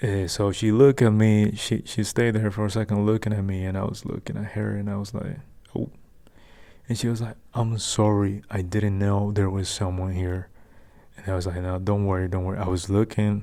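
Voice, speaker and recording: A man's dark, mellow tone on a very clean recording with a silent background. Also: fairly low pitch for a man, fairly even intonation, moderate pace. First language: not English. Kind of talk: ASMR storytime. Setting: some background noise. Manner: soft-spoken.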